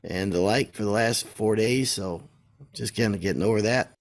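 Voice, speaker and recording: A man co-hosting a casual podcast, hoarse from days of talking, rambling and restarting his sentences. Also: lowish voice, moderate pace. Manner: rambling, self-interrupting. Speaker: co-host.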